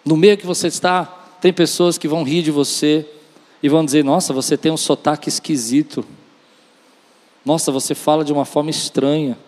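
This preacher's voice is fairly high and darkish, steady in tone and fairly quick. Delivering a charismatic church sermon, he talks emphatically and directly to his audience with repetition and dramatized dialogue, echoing with the long reverb of a large hall.

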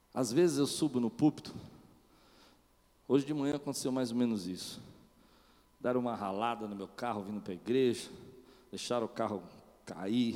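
A man preaching a sermon as pastor, moving from quiet storytelling to loud, shouted preaching. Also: mid-range voice, big-room sound. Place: church.

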